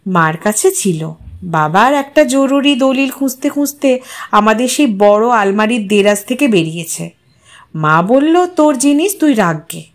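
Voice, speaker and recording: A woman's voice: fairly high pitch, lively intonation, a little slow. A woman voicing a fussy, reproachful young wife who is fond of her husband, in an audio story. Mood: subdued.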